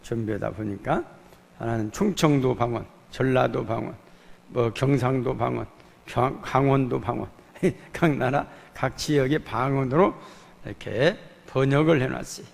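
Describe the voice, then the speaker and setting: A male pastor from Jeolla province preaching a Sunday sermon in a church, halting with drawn-out "ah" and "eh" fillers and sudden emphatic rises on key words. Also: mid-range voice, gravelly. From Jeolla province, Korea. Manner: halting, fills pauses with drawn-out "ah" and "eh". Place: church sanctuary. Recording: long hall reverb from a church.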